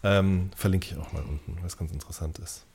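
Man, fairly low pitch, casual podcast co-host, explanatory, hesitant rephrasing. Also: fairly even intonation, fairly quick, darkish tone, breathy edge. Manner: explanatory, thinking aloud, hesitant reformulations.

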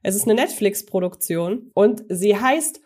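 A woman's voice: medium pitch, unhurried, a little mellow, husky. Podcast co-host, a woman: chatty, runs through her picks and their ratings. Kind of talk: casual film chat.

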